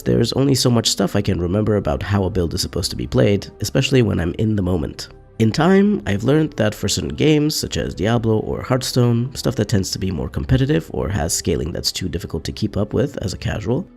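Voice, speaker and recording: Calm, deep, gravelly-voiced man. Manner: calm, measured, explanatory. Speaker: gaming channel host. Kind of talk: scripted video essay narration.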